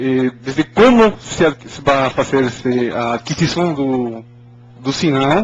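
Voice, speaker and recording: This man speaks with a non-native accent. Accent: foreign accent in Portuguese. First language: Spanish (speaking Portuguese). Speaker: engineering PhD student, speaker. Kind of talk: lecture. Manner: halting, many fillers.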